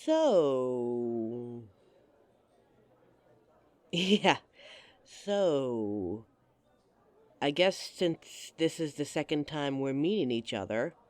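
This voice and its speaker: A woman's voice: a bass voice, expressive, very slow, long pauses, a little mellow, no room sound, heavily acted. A woman playing a giggly, teasing date. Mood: friendly. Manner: teasing and giggly, laughs often. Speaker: voice actress in an audio roleplay. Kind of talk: audio roleplay addressing the listener as a date.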